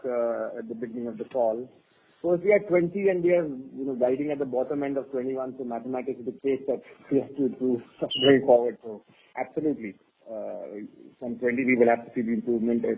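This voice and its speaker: A man's voice: medium pitch, brisk, slightly rough. Through a narrow conference-call line comes a male finance executive with a mid-range voice. He answers analysts in an unscripted, conversational corporate style, explaining as he goes. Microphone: phone or conference call line.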